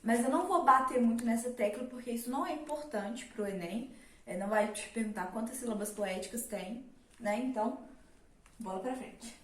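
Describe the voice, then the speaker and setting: A woman's voice: fairly high pitch, normal speed. A young woman teaching a casual literature lesson, chatty, with many fillers and rhetorical questions. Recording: roomy, mic at a distance.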